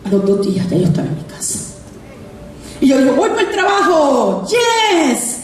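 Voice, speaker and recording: A woman's voice: high voice, brisk. A woman pastor giving a testimony sermon, acting out her conversations with God. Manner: animated, acts out dialogue with God. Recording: echoey hall, distant mic, music.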